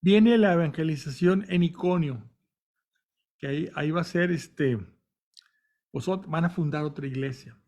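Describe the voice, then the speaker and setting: A man's voice: on the high side, moderate pace, pauses often, darkish tone. A man reading scripture aloud and stopping now and then to explain it in plain words, with small restarts. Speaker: Bible reader and commentator. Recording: dull lo-fi recording.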